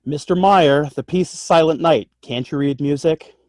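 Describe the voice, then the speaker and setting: Casting: man as fussy, exasperated music teacher, somewhat high voice, close dry sound, table read. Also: moderate pace, dry recording, natural voice. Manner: clipped, exasperated. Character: anxious, exasperated short balding high school band conductor. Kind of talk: amateur screenplay table read. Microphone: virtual table read over video call.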